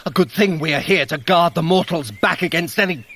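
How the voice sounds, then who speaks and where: Sly god of mischief, high creaky voice, wry archaic phrasing, audio drama, clear background noise. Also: male voice, expressive, fairly quick, fairly bright tone.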